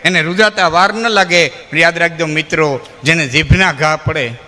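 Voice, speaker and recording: A man's voice: fairly high pitch, steady tone, moderate pace, a crowd in the background. A man telling humorous folk stories live to an audience, speaking straight to his listeners as friends. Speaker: folk storyteller. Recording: long hall reverb with faint music.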